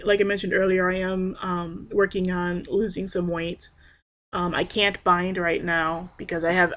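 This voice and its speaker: In a personal video diary, a young trans man vlogger rambles in a soft, hesitant voice that sits high, often pausing and starting over.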